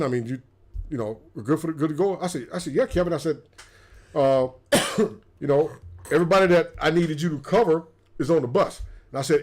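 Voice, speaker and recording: A man's voice: fairly high pitch, darkish tone. A man, co-hosting a casual livestream and telling stories with lots of repeated words. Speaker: co-host. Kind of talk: casual storytelling chat.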